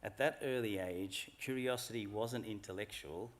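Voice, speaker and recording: A middle-aged man giving a formal graduation address from a lectern microphone in a large hall, in a measured and earnest way. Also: on the low side. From Australia. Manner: measured, earnest, reflective speech delivery. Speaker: graduation speaker.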